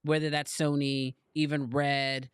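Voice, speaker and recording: A man hosting a podcast, chatting casually and quickly, often rephrasing his questions. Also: fairly high pitch, flat delivery, smooth, dry recording, clean studio sound. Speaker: podcast host.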